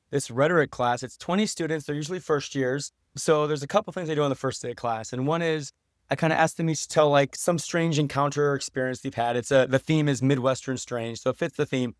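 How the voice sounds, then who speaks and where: Podcast guest: middle-aged American man, chatty storyteller, very quick delivery, dry close sound. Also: a little high, fairly even intonation, no room sound. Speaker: podcast guest, writer and professor. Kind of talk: casual podcast conversation.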